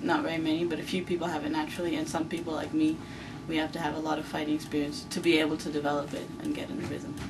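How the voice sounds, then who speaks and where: A woman with a very deep, low voice talks at a very fast pace in a monotone, flat intonation, with audible room echo and noticeable background noise. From Brazil. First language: Portuguese. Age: 20s. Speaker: jiu-jitsu competitor and instructor. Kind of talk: interview. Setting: grappling camp after class.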